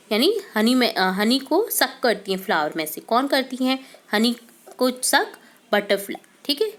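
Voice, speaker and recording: A woman teacher going through quiz answers step by step, asking questions and answering them herself, reading English questions slowly and deliberately. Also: fairly high pitch, a bit bright. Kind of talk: quiz answer walkthrough lesson.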